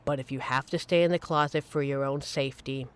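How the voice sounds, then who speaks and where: A woman's voice: rumbling low, steady tone, fairly quick, clean tone. A woman playing a supportive, playful young queer friend in an audio roleplay, talking casually and earnestly to reassure the listener. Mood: soft, serious.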